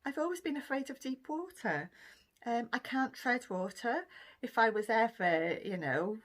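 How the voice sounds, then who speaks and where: A middle-aged woman with a Welsh accent, talking casually to her viewers. Her pitch rises and falls a lot as she goes, and she fills pauses with ums and breaks into laughter often. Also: animated. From Cardiff, Wales. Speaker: vlogger. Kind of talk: casual chat answering a question tag.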